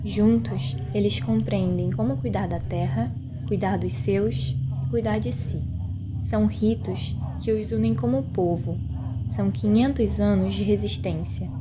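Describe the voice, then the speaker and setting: A woman's voice: mid-range voice, unhurried, music in the background. A woman with a Brazilian accent hosts and narrates a scripted podcast. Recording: clear background noise.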